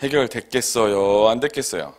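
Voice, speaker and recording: A man's voice: mid-range voice, normal speed. A man preaching a Friday night sermon as pastor, telling a personal story in a chatty, conversational way. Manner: conversational storytelling with acted quotes and laughter. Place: church sanctuary.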